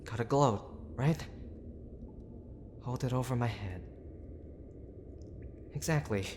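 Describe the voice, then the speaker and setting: A man playing a gruff, teasing tsundere boyfriend who is frightened and tender underneath, in an intimate audio drama with brusque, halting urgency. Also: mid-range voice. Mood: scared, tender. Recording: clear background ambient noise.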